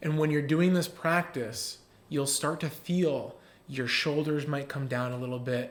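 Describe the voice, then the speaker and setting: A man with a plain, everyday voice speaks at a fairly slow pace, using a fairly high pitch and fairly even intonation. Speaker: wellness coach. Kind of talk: guided breathing exercise. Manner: calm.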